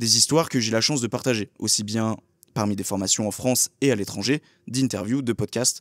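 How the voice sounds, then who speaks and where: A man's medium-pitched voice at a moderate pace, fairly even in intonation, on a very clean recording with a silent background. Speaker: former mountain rescuer turned entrepreneur. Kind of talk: reading aloud a scripted self-introduction. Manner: halting, with frequent self-corrections.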